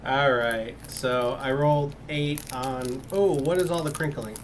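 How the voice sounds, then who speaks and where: A man's voice: medium pitch, a little slow, slight background noise. A man acting as game master, chatting casually over an online voice call. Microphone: computer mic on an online call.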